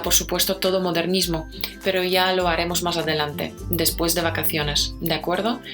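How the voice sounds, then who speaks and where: A woman with a Spanish accent from Spain, hosting a language-learning podcast and explaining things clearly and slowly. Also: fairly low pitch. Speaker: Spanish teacher and podcast host.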